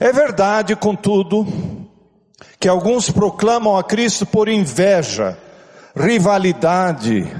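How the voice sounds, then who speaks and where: A man with a high pitch talks at a very slow pace. Noticeable background noise sits behind him. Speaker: pastor. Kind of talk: sermon. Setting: church.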